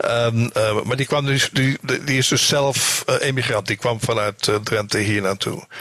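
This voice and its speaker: A man speaks at a very slow pace and medium pitch, with fairly even intonation and very even loudness. Noticeable background noise can be heard. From Netherlands. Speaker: newsletter writer, local history enthusiast. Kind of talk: interview. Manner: halting, many fillers.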